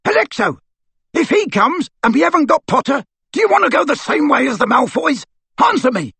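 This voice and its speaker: A man voicing a brutish, crude male henchman who bellows in rough, ungrammatical speech. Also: medium pitch, sing-song, measured pace, a bit bright, no echo, exaggerated voice. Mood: furious.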